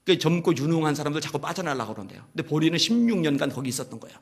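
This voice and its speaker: A male pastor giving a sermon to his congregation, telling a story with rhetorical questions and swinging between hushed and loud, emphatic passages. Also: a little high, animated, rapid-fire. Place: church service.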